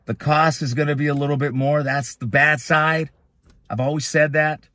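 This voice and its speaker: A man's voice: medium pitch, a bit bright, no room sound. A man with a Chicano accent talking candidly and casually to his viewers about his business, blunt and conversational with the odd swear word. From Northern California. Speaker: lead-generation business owner. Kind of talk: casual talk to camera.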